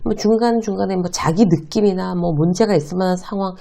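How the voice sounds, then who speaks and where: A woman's voice: fairly low pitch, a little fast, gravelly, mellow. A woman hosting a lesson on workplace advice, asking and answering her own questions and acting out short exchanges. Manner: acts out short quoted exchanges. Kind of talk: talk-style lesson to viewers.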